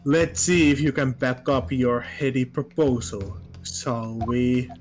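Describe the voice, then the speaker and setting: A man reads as a haughty, menacing prosecutor in a courtroom game. The delivery is mocking and theatrical, at an ordinary pitch. Game music plays clearly behind him. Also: takes it slowly, natural voice. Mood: taunting. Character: haughty, menacing adult male British prosecutor. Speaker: streamer reading a prosecutor's lines.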